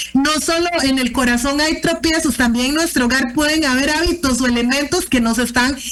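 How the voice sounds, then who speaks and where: Noticeable background noise and audible room echo surround the voice of a woman. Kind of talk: seminar talk, sermon-like.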